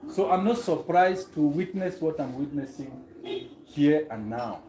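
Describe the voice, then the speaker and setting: A man's voice: on the high side, animated, a little slow, noisy background. A man from Cameroon, speaking earnestly to a gathering as a guest and often posing rhetorical questions. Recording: roomy echo.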